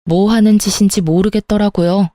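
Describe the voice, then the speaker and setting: A woman's voice: medium pitch, steady tone, moderate pace, mellow, no echo, studio quality. A woman narrating a first-person story in an exasperated, confiding manner.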